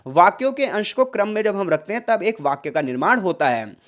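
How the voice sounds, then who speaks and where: A man's voice: sits high, lively intonation, a little fast, fairly bright tone. A male tutor giving an exam-prep lecture, asking rhetorical questions, calling his listeners brother and mixing English words into his talk. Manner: mixes English words into Hindi.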